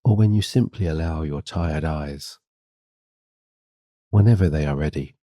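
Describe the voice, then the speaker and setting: Very deep, dark-toned soothing man. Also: dry recording, studio quality. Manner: gentle, soothing, unhurried guiding delivery. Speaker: sleep hypnosis guide. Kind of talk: guided meditation, scripted hypnosis talk-down.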